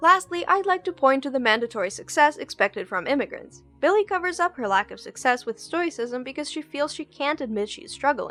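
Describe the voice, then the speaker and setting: With music in the background, a woman speaks in a raised, projected voice at a fairly quick pace, high-pitched with very wide pitch swings. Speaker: film reviewer. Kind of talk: video essay film review.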